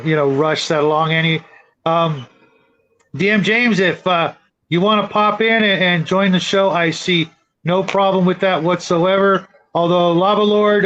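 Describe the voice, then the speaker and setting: The audio is dull and lo-fi. A middle-aged man with a fairly high voice hosts a relaxed live chat. He rambles along hesitantly, often circling before he gets to his point. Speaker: show host. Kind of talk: casual live-stream chat.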